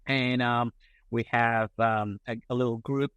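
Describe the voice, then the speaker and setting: Man from Colombia, middle-aged, mid-pitched, halting speech full of ums and restarts, dry close mic. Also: fairly even intonation, a bit bright, smooth, no echo. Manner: halting, many fillers and restarts. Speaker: guest, prosthodontist. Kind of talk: casual interview talk.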